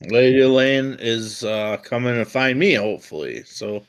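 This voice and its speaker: A man playing a tabletop game, thinking aloud in a deliberate way. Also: mid-range voice, clean tone. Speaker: player.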